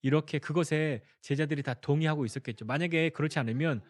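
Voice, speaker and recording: With a fairly high-pitched voice, a male pastor talks fast through his sermon, storytelling, acting out quoted dialogue, and putting questions to the congregation. The recording is dry.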